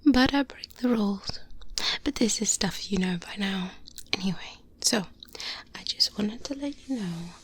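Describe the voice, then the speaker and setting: A woman playing a confident, wary vampire hunter mentor in a soft-spoken, breathy ASMR roleplay, close to the microphone with hesitant pauses. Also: medium pitch, lively intonation. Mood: wry, confident. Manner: slow, hesitant pauses, intimate. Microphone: close-up binaural microphone.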